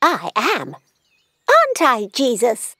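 A woman's voice: a little high, huge pitch swings, slow, pushed and bright, heavily acted. A woman voicing a chirpy, prim, dotty elderly lady in a comedy cartoon, with an eager, sing-song delivery. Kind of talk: animated comedy character acting.

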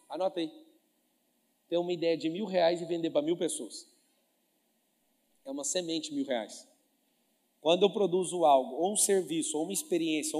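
A Brazilian man with a high voice gives an emphatic motivational stage talk. He keeps firing questions at his listeners and pushes his points hard. His voice rings with a long reverb, as if he is in a large hall. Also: dark tone. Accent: Brazilian Portuguese. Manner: emphatic, fires questions at the audience. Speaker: motivational speaker.

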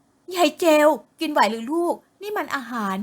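A woman voicing a worried, exasperated middle-aged mother who speaks loudly. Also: sits high, animated, normal speed, voice pushed up. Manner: loud, exasperated.

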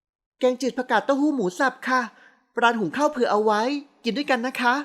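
A man putting on a soft-spoken young pregnant woman. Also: very high voice. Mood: cheerful. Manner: soft, polite, slow.

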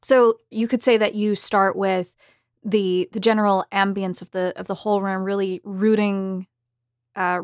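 A woman's voice: medium pitch, no echo, studio quality. A woman hosting a casual roundtable interview, chatting with her guest. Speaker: roundtable host.

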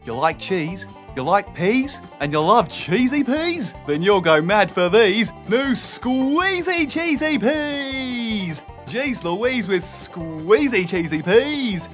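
A man playing a zany, over-excited pitchman in a silly, sing-song parody commercial. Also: slow, heavily acted. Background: music.

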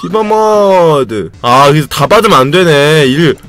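Young male game streamer, bright voice with a wide pitch range, excitable and quick to yell and swear, close mic with faint clicks behind. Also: soft background music. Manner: reads game text aloud in a flat lower voice. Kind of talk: casual gameplay commentary.

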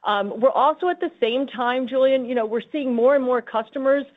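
A woman's voice: high-pitched, normal speed. A woman speaking as a company executive on an earnings conference call. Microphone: conference call line. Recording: tinny, band-limited conference call line.

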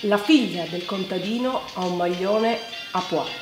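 Playing a lip-reading game, a young woman hosts in a lively, playful, exclamatory manner from a home living room with a staircase. Her mid-range voice is a little slow, with music in the background, in an echoey room with background noise.

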